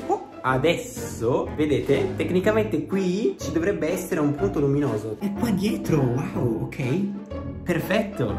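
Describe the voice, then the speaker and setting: A young man vlogging at home, talking excitably and jumpily straight to his viewers in an acted comedy vlog. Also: fairly high pitch. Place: home, indoors.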